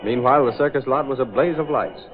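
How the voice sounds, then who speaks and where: A male narrator telling a story in crisp, dramatic 1930s radio style. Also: medium pitch, fast, music in the background. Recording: tinny lo-fi old radio transcription.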